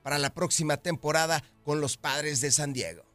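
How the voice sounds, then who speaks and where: A man's voice: on the high side, normal speed, dry recording. A man presenting sports news on a morning show, then joking and laughing in studio banter with his co-host. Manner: lively, playful, laughs easily.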